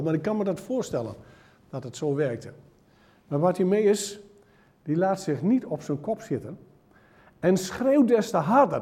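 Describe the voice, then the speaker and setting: A man preaching a sermon, telling a Bible story with animated, dramatic shifts between loud and soft. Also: on the high side. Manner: animated storytelling, acts out the crowd's hushing in a raised voice.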